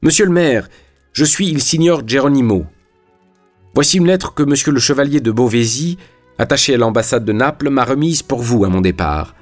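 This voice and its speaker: A man's voice: medium pitch, expressive, moderate pace, faint music behind, pitched above the performer's own voice, close to an everyday voice. A man voicing a cheerful young Neapolitan singer with a playful, exaggerated Italian accent. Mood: gay, playful. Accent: Italian, played up. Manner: merry, playful storytelling.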